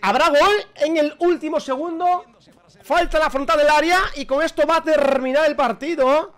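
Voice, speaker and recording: A man reacting live to a football match as a fan, chatty and excitable, shouting at the big moments. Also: very high-pitched, normal speed.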